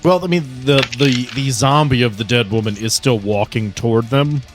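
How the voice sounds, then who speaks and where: A man's voice: mid-range voice, normal speed. A man acting as game master, narrating scenes and rulings in a tabletop roleplaying game. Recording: background music under the voice.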